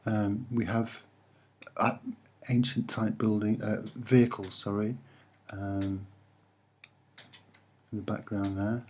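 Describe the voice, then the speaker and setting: A soft-spoken man talks at a very unhurried pace, feeling his way through what he sees in an image. His voice sits fairly low, and his delivery is hesitant and musing. Some background noise runs under the recording. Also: level tone. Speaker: amateur presenter of image analysis.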